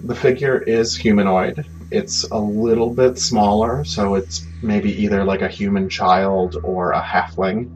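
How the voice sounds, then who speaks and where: A man working as game master, narrating a tabletop game in a halting, conversational way with many asides. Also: lowish voice, flat delivery, a little mellow. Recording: dull, muffled sound under prominent music.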